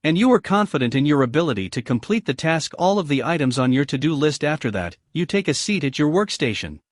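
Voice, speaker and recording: Lively Greek-accented man narrating. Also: fairly high pitch, quick pace, no echo. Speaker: audiobook narrator. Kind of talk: self-help audiobook narration.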